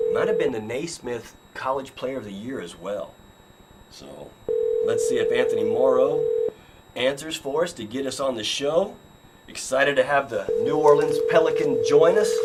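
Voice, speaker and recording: A man at a moderate pace, with big swings in loudness and noticeable background noise. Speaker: basketball coach and show host. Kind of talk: casual interview. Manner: animated.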